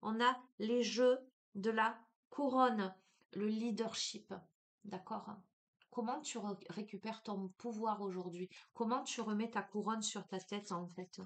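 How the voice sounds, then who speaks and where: A woman with a Marseille accent giving a spiritual card reading, talking casually and warmly to the listener with lots of fillers and restarts. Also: medium pitch, fairly even intonation, a little slow. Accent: Marseille French. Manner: chatty, hesitant, many fillers, addresses listener as tu. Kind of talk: casual spiritual guidance talk.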